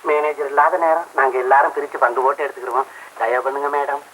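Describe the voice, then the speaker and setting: An actor playing a fawning, chatty club attendant who wheedles and teases. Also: male voice, mid-range voice, fairly even intonation, fast, fairly bright tone, slight background noise, natural voice, low-quality recording. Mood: wheedling. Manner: wheedling and cheeky.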